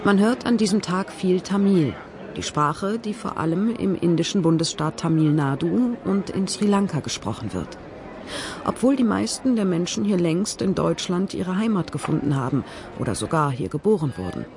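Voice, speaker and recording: A man reading documentary narration in a clear, informative way. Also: high voice, big pitch swings, moderate pace, a crowd in the background. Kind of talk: scripted narration.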